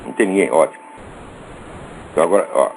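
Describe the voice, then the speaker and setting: Fuming Brazilian man, animated swooping voice. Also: deep voice, fast talker, gravelly, slight background noise, poor audio. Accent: Brazilian Portuguese. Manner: profane, scornful, sarcastic, shouts insults. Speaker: radio show host. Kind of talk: angry ranting monologue.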